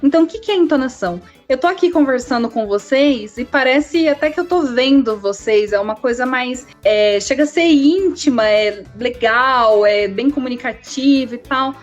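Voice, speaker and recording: A woman's voice: high voice, expressive, normal speed, hardly any pauses, highs cut off, faint music behind. A young woman with a Brazilian Portuguese accent, a speech therapy student, explaining vocal care as a podcast guest in a didactic tone. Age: young adult.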